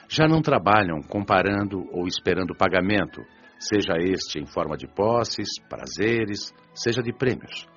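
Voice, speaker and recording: Over music, in slightly dull audio, a solemn Brazilian spiritual preacher in a radio drama. His low voice rises and falls expressively as he teaches with measured, rhetorical care. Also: husky, full character voice. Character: earnest, solemn male spiritual preacher explaining a parable. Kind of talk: scripted sermon-like lecture.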